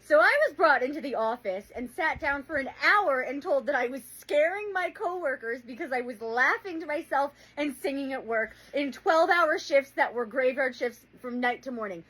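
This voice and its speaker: A woman's voice: high voice, expressive, moderate pace, few pauses, fairly bright tone, poor audio. A young woman hosting, telling funny stories in casual chat and laughing often. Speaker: host.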